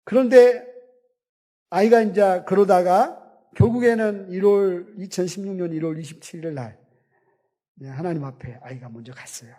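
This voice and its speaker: A middle-aged man, a missionary pastor, telling a personal story in a sermon, halting and emotional with long pauses. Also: high-pitched, dark tone. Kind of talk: sermon testimony. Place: church sanctuary.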